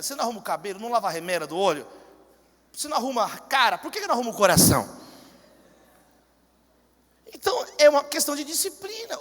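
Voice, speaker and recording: A man's voice: very high voice, a bit bright. A male pastor with a Brazilian Portuguese accent, preaching a fervent sermon and calling out to his congregation. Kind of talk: energetic sermon. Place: large church hall, indoors. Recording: long church hall reverb.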